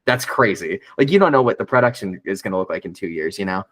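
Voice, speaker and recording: With lively intonation and a fast pace, a male voice actor rambles casually in an interview, restarting a lot and filling gaps with fillers. The voice is a bit bright but has some bass, recorded without echo.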